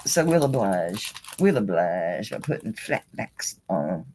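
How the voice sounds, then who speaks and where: A woman with a very deep, darkish voice runs a live online jewelry auction, very animated yet speaking at a measured pace. The rough recording has a little hiss or hum. She's chatty and casual, laughing often and talking to herself while handling the items.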